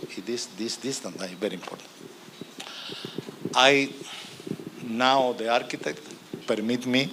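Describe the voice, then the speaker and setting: Against noticeable background noise, a man with a strong Spanish accent speaks at a medium pitch and moderate pace. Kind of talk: public presentation. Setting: public consultation meeting. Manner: halting, broken English.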